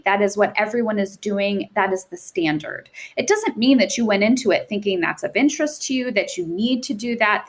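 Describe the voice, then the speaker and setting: A woman of forty, a guest and researcher, explaining her points earnestly in a casual podcast conversation, with frequent "like" fillers. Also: mid-range voice. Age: 40s.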